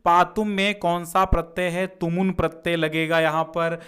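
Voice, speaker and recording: Smooth-voiced male tutor explaining exam answers. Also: a little high, flat delivery, normal speed, a bit bright. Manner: chants memorized word forms in a sing-song; checks in often with "theek hai". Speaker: teacher.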